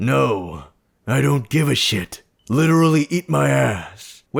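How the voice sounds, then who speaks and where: A man puts on a raspy character voice with a fairly low pitch and very wide pitch swings. He goes at a fairly slow pace and keeps his loudness very even. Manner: angry, dismissive.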